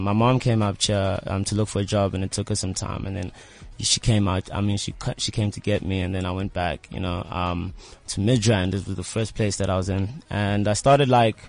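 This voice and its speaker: A man's voice: lowish voice, no echo. A young South African man chatting casually as an interviewed rapper, with slangy speech peppered with filler phrases like "you know". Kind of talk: casual chat.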